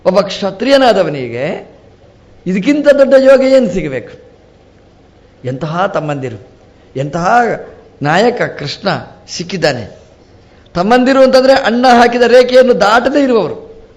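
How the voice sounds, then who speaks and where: A man, a swamiji, giving a storytelling religious discourse with lively rises and drops and acted-out dialogue. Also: high-pitched, a little slow, long pauses. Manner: animated, rising and falling sharply, quoting characters in dialogue. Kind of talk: storytelling sermon.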